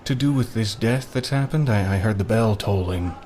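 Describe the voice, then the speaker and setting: Man playing a low-voiced, hesitant adventurer. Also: slight background noise, natural voice. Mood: tentative. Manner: hesitant, halting, gently probing. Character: polite, hesitant adventurer, a sympathetic, inquisitive man. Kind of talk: fantasy role-play audio drama.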